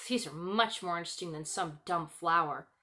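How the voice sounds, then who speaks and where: A woman's voice: lowish voice, moderate pace, sharp tone, voice pushed down. A woman voicing a sneering, cruel young boy in a storybook, irritable, snappish and mocking. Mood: petulant.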